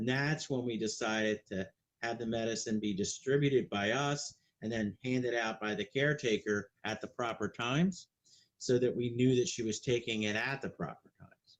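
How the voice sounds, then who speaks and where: A man uses an ordinary speaking voice, pitched medium and varying in an ordinary way. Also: moderate pace. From New Jersey, US. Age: 50s. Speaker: insurance agent. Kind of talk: interview conversation.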